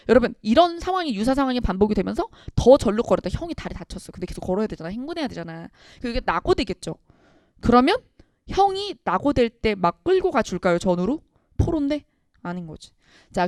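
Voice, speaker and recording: A woman lecturing on a literature passage for exam prep, animated, reading quoted lines aloud and talking straight to her students. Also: a little high, no room sound, clean studio sound. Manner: animated, reads quoted lines aloud with acted emphasis, addresses students directly. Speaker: Korean language exam instructor.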